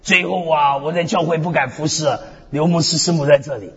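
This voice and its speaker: In a dull, long-reverb hall with crowd noise around him, a male pastor living in North America delivers a lively sermon. His voice sits on the high side and moves a little fast, and he mixes jokes and self-mocking anecdotes with animated preaching full of call-and-response hallelujahs.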